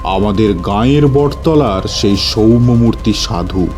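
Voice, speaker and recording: Slow, dark-voiced man narrating horror. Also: on the low side, lively intonation. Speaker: storyteller. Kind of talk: dramatic first-person horror story narration. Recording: music bed under the voice.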